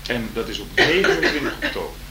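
A man's voice: fairly low pitch, big pitch swings, quick pace. A man gives plain, matter-of-fact announcements at the end of a gathering. His voice is heard on old worn tape and rings around a large hall. A thick layer of hiss sits under every word. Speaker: meeting organizer making announcements. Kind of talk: spoken announcement to an audience.

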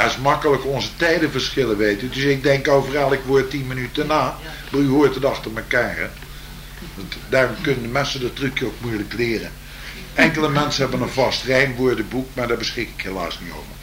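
A man giving a spiritual address with improvised verse, in a measured, solemn, declamatory manner. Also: medium pitch, a bit bright, slight background noise, poor audio. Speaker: spiritual speaker.

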